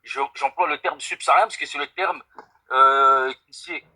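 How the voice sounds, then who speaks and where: A husky, bright-toned young man from France speaks on a live call. He argues earnestly and with emphasis, and he often repeats his points and swears by God to back them up. His voice sits a little high for a man. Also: normal speed, low-quality recording. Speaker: caller on a live stream. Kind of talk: casual debate call.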